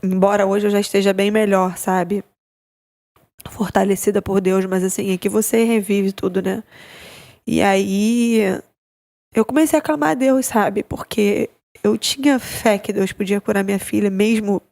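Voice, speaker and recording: A young adult woman, giving an emotional personal account as a podcast guest, halting and repeating her words. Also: mid-range voice, vocal fry, darkish tone. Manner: halting, with many repeated words and tag questions.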